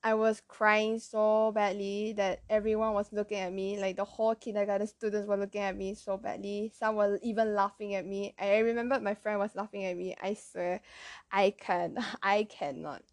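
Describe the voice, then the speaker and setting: A woman's voice: mid-range voice, flat delivery, normal speed, dry recording. Chatty young woman. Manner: chatty and rambling, with filler words. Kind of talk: casual storytelling.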